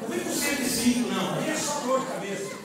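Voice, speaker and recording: A man with a Brazilian Portuguese accent preaching a sermon as pastor, animated, calling on the congregation to repeat his words. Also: very high voice, fast talker, a crowd in the background, background noise. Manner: animated, calls on the congregation to repeat after him. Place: large church hall. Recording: echoey hall, distant mic, congregation.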